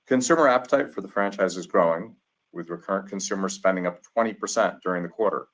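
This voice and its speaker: Male executive for a quarterly earnings call, low register, formal measured read of prepared corporate remarks. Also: a bit bright. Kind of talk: scripted corporate earnings presentation.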